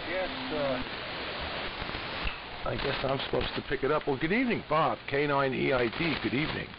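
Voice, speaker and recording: Clear static surrounds a dulled AM radio signal. An American man with a mid-pitched voice talks casually, in the style of a ham operator taking his turn on the air. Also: moderate pace, lo-fi sound. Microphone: ham radio transmission.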